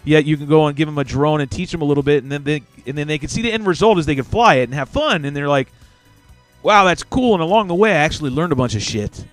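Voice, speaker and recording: A man in his forties talks as a podcast host, loose and animated, with swearing and tangents. His voice sits fairly high, and the sound is dry and close. Faint music plays under it. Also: fast, no room sound. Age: 40s. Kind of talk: casual chat.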